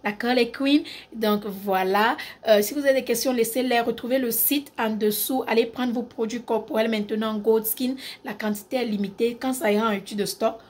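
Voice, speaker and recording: A woman's voice: fairly high pitch, fairly even intonation, moderate pace, few pauses, a little mellow. A woman who runs a skincare brand, talking casually to camera, emphatic and repeating her key points, mixing in English words.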